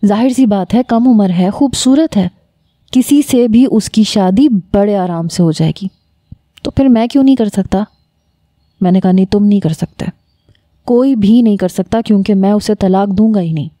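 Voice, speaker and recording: Woman reading a love story out loud, very dark mellow voice, dry close mic. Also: medium pitch, dry recording. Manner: reads all characters in her own voice, rising for quotes. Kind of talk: scripted narration of a romance story.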